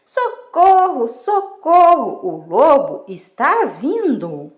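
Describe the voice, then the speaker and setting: A woman voicing a young shepherd boy who shouts desperately for help in a children's story. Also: sits high, wildly swooping pitch, very slow, reverberant, pitched above the performer's own voice, full character voice. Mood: shouting for help.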